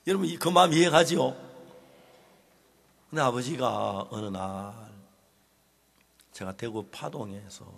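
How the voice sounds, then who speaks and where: An older man with a Gyeongsang accent, preaching a sermon as a pastor, telling a story with animated drama and turning often to the congregation. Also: on the low side, creaky, slightly rough. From Gyeongsang, South Korea. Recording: long reverb of a large hall.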